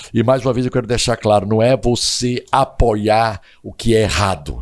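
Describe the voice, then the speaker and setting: A man's ordinary speaking voice, pitched in the middle of his range, moderately paced, its pitch moving in an ordinary way. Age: 60s. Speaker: pastor. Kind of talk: casual chat.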